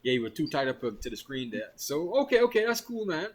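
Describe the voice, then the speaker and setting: A man hosts a relaxed video-call interview, his voice a little husky and pitched fairly high. He talks in an easygoing, chatty way and laughs easily. He asks his questions loosely, with frequent asides. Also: fast. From Bahamas. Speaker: host. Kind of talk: casual interview chat.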